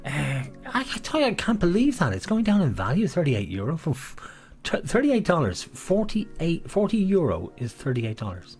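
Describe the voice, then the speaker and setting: A man's voice: fairly high pitch, huge pitch swings, moderate pace, darkish tone, faint music behind. A man working as a bingo caller and host, chatting jokily to players and calling numbers with playful nicknames, often repeating himself.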